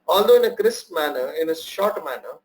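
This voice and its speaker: High-voiced man teaching a live trading webinar. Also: expressive, fairly quick, poor audio. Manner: asks the audience questions and repeats key points. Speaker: trading instructor. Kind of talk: live online workshop teaching.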